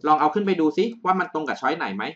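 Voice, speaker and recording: A man's voice: on the high side, big pitch swings, racing, a bit bright, dull audio. A man tutoring math over a screen recording, explaining each step patiently and checking that the listener follows.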